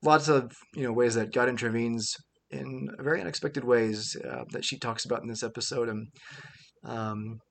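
A male podcast host at an ordinary mid-range pitch, chatting loosely and circling back on himself with lots of ums and you-knows. He sounds easygoing and conversational as he introduces the episode. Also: fairly even intonation, moderate pace, gravelly, a bit bright. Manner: rambling, filler-heavy, chatty. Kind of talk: casual podcast introduction and interview.

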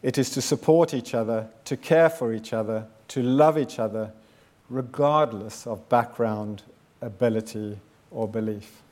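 A man in his fifties, raised in South Africa, delivering a prepared speech as a founder, measured and earnest, building his points with repeated phrases. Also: mid-range voice, a little mellow. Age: 50s. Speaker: founder giving a talk.

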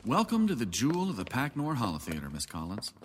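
An actor playing a friendly, conversational theater owner interviewing someone in an audio drama. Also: male voice, mid-range voice, huge pitch swings, fast talker, faint music behind. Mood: affable. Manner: affable, conversational. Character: friendly male holotheater owner interviewing a job applicant. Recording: long hall reverb, some noise.

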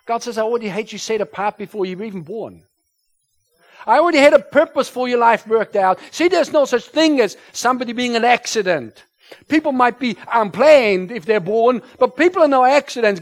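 A man whose first language is German, preaching a sermon to a congregation, his voice rising loud when he quotes scripture. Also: very high voice, expressive, fairly quick. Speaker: pastor. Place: church.

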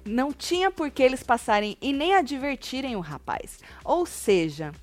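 A woman co-hosting a casual gossip show, retelling reality-TV moments with emphatic, animated delivery. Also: high voice, moderate pace, faint music behind.

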